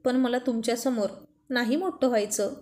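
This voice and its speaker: A pouting, childlike young wife, her voice set a little high, as a woman narrator reads her lines. She talks in a coaxing, sulky way, as in a read-aloud love story. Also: normal speed, darkish tone, natural voice.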